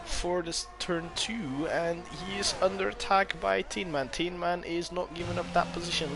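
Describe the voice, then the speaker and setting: A man doing live commentary on a sim race, his voice jumping up with excitement whenever the action picks up. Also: fairly high pitch, gravelly, noisy background.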